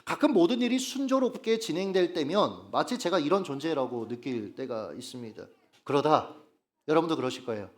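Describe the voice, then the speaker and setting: A male pastor delivers a Sunday sermon in a fairly high voice that swings widely in pitch. He speaks earnestly and leans hard on key phrases. He keeps turning to the congregation with rhetorical questions. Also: very animated, fairly quick. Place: church worship service.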